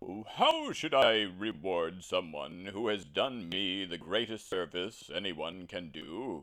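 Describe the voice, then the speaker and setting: In a booming, put-on character voice, a man speaks fairly slowly with hardly any pauses, his very deep, low pitch showing ordinary variation. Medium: read story. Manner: commanding, booming.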